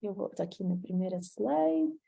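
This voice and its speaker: A woman's voice: mid-range voice, expressive, normal speed, gravelly, warm tone, husky. A woman from Venezuela with a Venezuelan Spanish accent, speaking Portuguese as a guest speaker on a video call, often hesitating and restarting. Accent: Venezuelan Spanish, with some Portuguese mixed in. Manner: frequent hesitations and restarts, friendly, mixes in Spanish. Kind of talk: online talk with slides.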